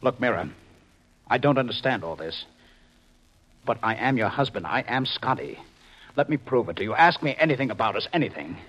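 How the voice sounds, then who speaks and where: An earnest, emotional husband pleads in a husky voice that rises and falls widely. His manner is coaxing and intimate, in 1950s radio drama style, on a muffled old recording. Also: mid-range voice, animated, brisk, pauses often, fairly bright tone. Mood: earnest, pleading.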